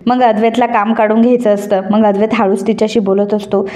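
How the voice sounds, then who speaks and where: A woman's voice: mid-range voice, little pitch movement, fast, warm tone, roomy sound. A woman retelling a serial episode in plain, running narration. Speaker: story recap narrator.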